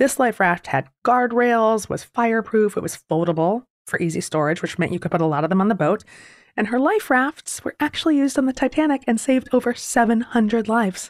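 In a plain, everyday voice with an American accent, a woman speaks at a fairly quick pace with lively intonation on a very clean, dry, close recording with no echo and a silent background. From Philadelphia, US. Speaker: podcast guest host. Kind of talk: scripted storytelling. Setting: home closet.

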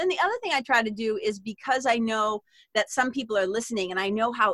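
Speaking at a fairly quick pace, a woman uses a fairly high pitch with an American accent. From Boston, US. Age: 50s. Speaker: podcast host, spiritual mentor. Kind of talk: casual interview chat. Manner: animated, humorous.

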